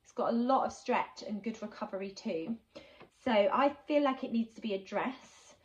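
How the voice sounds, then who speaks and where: A woman's voice: a little high, moderate pace, highs cut off, soft background music. A woman, chatting casually and enthusiastically as she unboxes sewing supplies for her channel, with a slight cold and lots of ums. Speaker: sewing vlogger.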